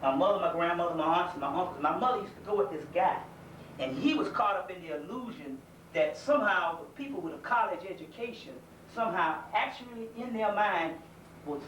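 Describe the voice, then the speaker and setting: A man's voice: sits high, fairly bright tone. Southern man lecturing in an echoey hall. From South Carolina. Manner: folksy, conversational, earnest. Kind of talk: informal community lecture. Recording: echoey room, mic far off, faint hiss.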